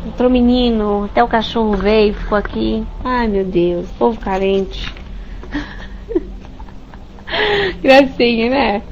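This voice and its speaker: A woman's voice: fairly high pitch, animated, takes it slowly, pauses often, highs cut off, a little hiss or hum. A woman leading an informal religious study over an online voice chat, talking conversationally and often checking in with her listeners. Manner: warm conversational, frequent rhetorical "né?" checks. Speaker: spiritist study leader. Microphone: computer mic over online voice chat.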